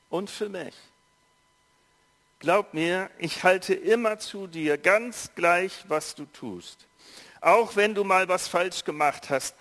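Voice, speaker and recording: A man voicing a gentle, fatherly king who speaks softly and slowly to comfort a frightened child. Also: mid-range voice, vocal fry, husky, full character voice. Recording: long hall reverb.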